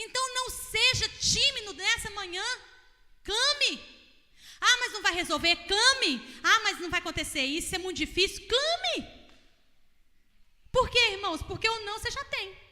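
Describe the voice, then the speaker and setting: A woman puts on a shrill, hoarse character voice at an extremely high pitch. She keeps a moderate pace but takes long, frequent pauses. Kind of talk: preaching.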